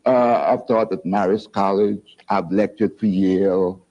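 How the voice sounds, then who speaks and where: A man's voice: low-pitched, steady tone, unhurried, dark tone. A man, a guest lecturer, talking in a folksy, self-deprecating way with chuckling asides. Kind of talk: conversational TV interview. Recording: dull lo-fi TV audio.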